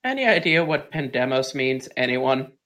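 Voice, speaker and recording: Low-voiced congested woman, crude jokes. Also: big pitch swings, moderate pace, fairly bright tone. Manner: crude, joking. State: congested from crying. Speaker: player. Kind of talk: casual tabletop role-play.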